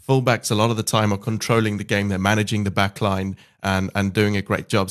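Low-voiced podcast host steering the talk. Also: male voice. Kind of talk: podcast discussion.

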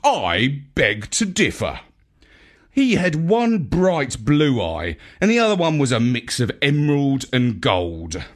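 A man narrating a children's space story in an expressive, dramatic, measured way, as a wry dog adventurer. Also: mid-range voice.

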